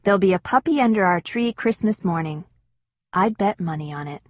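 A woman narrating an audiobook in the first person with an expressive, wistful storytelling manner. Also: mid-range voice, brisk, dry recording, highs cut off.

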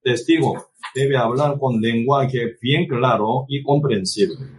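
A man's voice: mid-range voice, slow pace. A man preaching a sermon who tags nearly every phrase with a questioning "right?", restarts words and cites scripture by chapter and verse. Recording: voice distant from the microphone.

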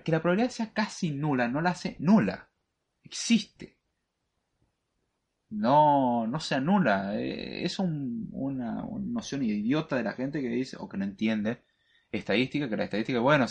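A man's voice: mid-range voice, breathy edge. A man, hosting a live programming lesson, lecturing in an opinionated, emphatic way. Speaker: programming show host.

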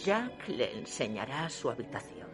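A woman voicing a silent, ominous lady of the house in a radio drama, speaking in a slow, solemn and deliberate way. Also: extremely low pitch, sing-song, exaggerated voice. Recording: distant voice over music. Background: music.

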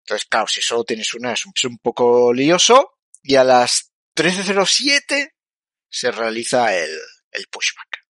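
Male travel vlogger, casual explanatory narration, mid pitch, dry close sound. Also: sing-song, unhurried, bright, forceful tone, no echo. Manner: conversational, explanatory. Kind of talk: casual narration of a flight trip.

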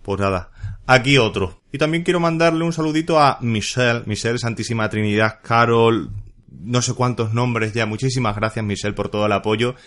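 A man's voice: mid-range voice, a little fast, a bit bright. A man hosting a casual solo podcast, chatty and jokey with playful asides. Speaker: podcast host.

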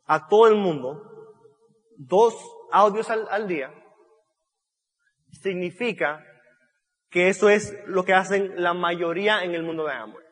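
High-voiced man preaching success in a hall. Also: fairly bright tone. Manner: emphatic, repeats key phrases, stumbles into restarts. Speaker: motivational speaker at a business event. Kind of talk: motivational talk to an audience. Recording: long reverb of a large hall.

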